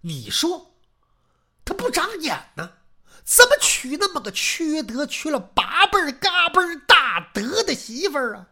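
A woman storyteller voicing a blunt, righteous old female servant who scolds her mistress in rapid tirades. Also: very deep voice, very animated, slightly rough, pitched below the performer's own voice, heavily acted. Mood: indignant.

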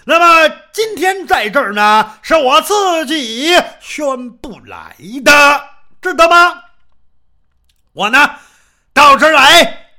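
A storyteller voicing a burly, boastful mountain guardian with a loud, hollow, booming voice who declaims and blusters. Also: full character voice. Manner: blustering, declaiming, laughs heartily.

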